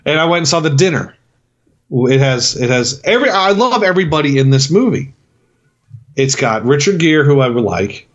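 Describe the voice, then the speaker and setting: A man co-hosting a movie review podcast, talking in a rambling, profane way with many restarts. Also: medium pitch. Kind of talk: casual chat. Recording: dull lo-fi sound.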